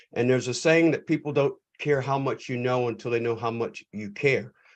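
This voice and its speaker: With a Southern US accent, a man talks at a fairly quick pace. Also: quiet background. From US South. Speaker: youth leadership coach. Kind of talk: self-introduction. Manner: fast; passionate.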